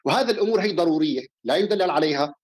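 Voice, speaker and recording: Rapid, husky Levantine man arguing. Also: fairly high pitch, animated. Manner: pressing, repetitive, interrupting. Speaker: debater. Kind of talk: informal live debate.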